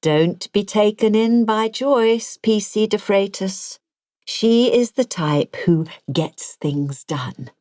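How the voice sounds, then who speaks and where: A woman voicing an imperious, sharp-witted elderly Englishwoman with an arch, commanding manner for an audiobook. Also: mid-range voice, slow pace, no room sound, studio quality, voice pushed up, close to an everyday voice. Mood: amused, dismissive.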